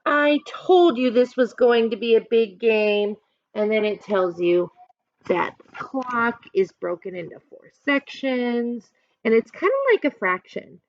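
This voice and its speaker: Woman teacher, animated storybook reading, higher voice, slow pace, dull dry recording. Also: no room sound. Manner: animated, instructive, asks listeners questions. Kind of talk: expressive picture-book read-aloud with explanatory asides.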